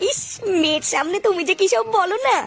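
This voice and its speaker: A woman's voice: very high-pitched, a little fast, vocal fry. A woman playing a soothing wife and mother in a comedy cartoon, coaxing and mildly chiding. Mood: coy, coaxing.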